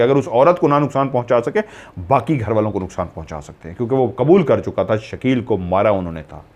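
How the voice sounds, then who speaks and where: A man's voice: mid-range voice, a little mellow. A man from Pakistan, a paranormal investigator and host, retelling a haunting story in an earnest, explanatory way with repeated phrases. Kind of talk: storytelling narration.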